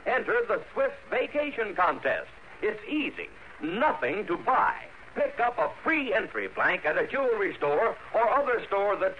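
A man playing a booming, emphatic prize-contest announcer in a 1950s radio commercial. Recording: noisy, dull vintage radio broadcast.

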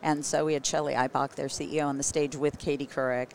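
A woman's voice: low voice, level tone, fast. A woman with a scratchy, worn voice, a summit producer chatting as an interview guest at a trade show, rambling with many ums and restarts. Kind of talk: casual interview chat.

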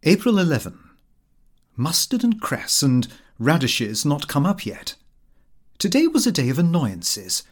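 Male British audiobook narrator for a comic diary: formal, prim diction, highly varied melody. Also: wildly swooping pitch, a little slow, husky. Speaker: audiobook reader. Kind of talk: scripted narration of a comic fictional diary, read in character as the diarist.

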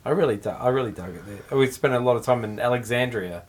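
A man with a mid-range voice chats on a podcast. He is blunt, swears freely and gets excitable. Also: mid-range voice, quick pace, husky. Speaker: podcast co-host. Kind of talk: casual chat.

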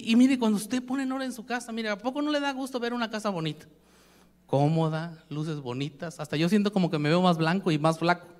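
High-voiced pastor preaching. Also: male voice. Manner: animated, jokey, addresses the congregation directly. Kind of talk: sermon.

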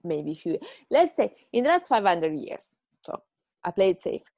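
Italian-accented woman, gravelly and dark. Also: mid-range voice, very animated, normal speed, no room sound, studio quality. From Italy. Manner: chatty, self-mocking, encouraging. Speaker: podcast host. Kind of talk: casual advice monologue. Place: home.

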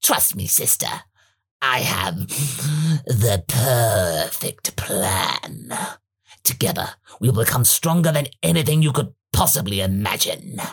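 A man putting on a husky, scheming insect android. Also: lowish voice, expressive, slow, a bit bright, voice pushed down, exaggerated voice. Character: scheming insectoid male bio-android, cold and sly.

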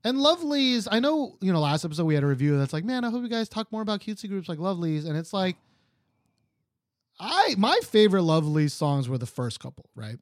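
A man co-hosting a podcast in casual chat, animated and jokey, laughing often. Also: high-pitched, fast talker, no echo, studio quality. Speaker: podcast co-host. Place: Seoul, South Korea.

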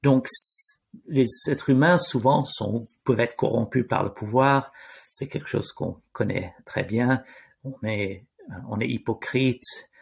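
Male interview guest, non-native French with foreign accent, fry-laden voice, hesitant unscripted explainer who restarts and rephrases. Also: medium pitch. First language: not French. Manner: halting, searching for words, repeating and rephrasing. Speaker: interview guest, AI risk expert.

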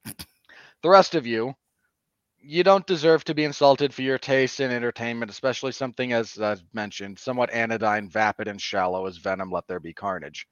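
A man hosting a film podcast, giving casual commentary in a wordy, deliberate, mock-formal manner. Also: mid-range voice, fairly bright tone, dry recording, muffled recording. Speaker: podcast host and film reviewer.

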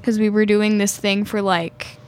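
A woman's voice: mid-range voice, flat delivery, measured pace, a little mellow, slight background noise. A woman with a Midwestern US accent, co-hosting a casual chat in a giggly, easygoing way full of fillers. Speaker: podcast co-host.

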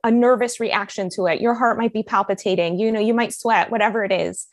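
A woman's voice: medium pitch, fairly even intonation, fairly quick, no room sound, clean studio sound. A woman from Colombia who grew up in Miami, speaking with an American accent as a life coach guest, telling her story earnestly with many fillers. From Colombia, raised in Miami. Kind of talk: conversational interview.

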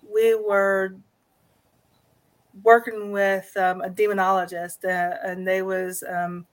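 A woman guest describing her paranormal investigation experiences in casual conversation, pausing often with fillers. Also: mid-range voice, a bit bright, clear, resonant tone. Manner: hesitant, many fillers.

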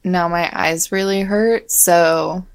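A young adult woman hosting a podcast, casual and joking, with a fairly monotone voice and vocal fry. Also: lowish voice, slow. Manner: casual, joking, swears freely. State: tired. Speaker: podcast host.

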